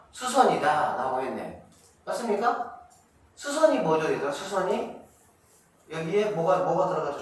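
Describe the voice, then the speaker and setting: A middle-aged man giving a math lesson to middle school students, quizzing them and answering his own questions, drawing out key terms slowly. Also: a little high. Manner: asks students questions and answers them himself, counts steps aloud. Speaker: math academy director teaching middle school. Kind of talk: classroom math lecture. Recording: echoey room, distant mic, faint noise.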